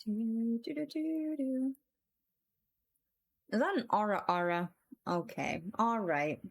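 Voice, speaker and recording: A woman's voice: on the high side, takes it slowly, gravelly. A woman streaming a video game and chatting casually with her viewers in a playful, giggly way. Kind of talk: casual live-stream chat. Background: faint game music.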